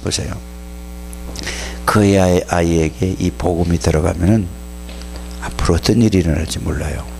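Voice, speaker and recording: A man's voice: sits low, normal speed, creaky, long pauses, slight background noise. A man preaching a sermon to young people as their pastor, telling stories and scolding them in plain words. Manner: animated, scolding, plain-spoken storytelling. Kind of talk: sermon to youth.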